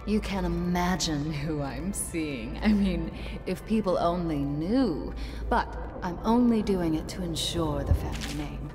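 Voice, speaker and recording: A woman's voice: on the low side, measured pace, close to an everyday voice. An actress playing a coy, flirtatious, tipsy aristocratic woman at a masquerade party in a video game. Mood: confiding, seductive. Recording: echoey hall reverb with music behind.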